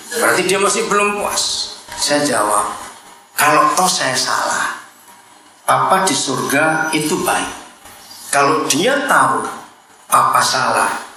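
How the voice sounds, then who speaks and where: A man's voice: medium pitch, very echoey, a little hiss or hum, low-quality recording. A male pastor preaching a sermon, telling a story and acting out the dialogue, often turning to address the congregation directly. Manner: animated, acts out quoted dialogue, addresses audience as "Saudara".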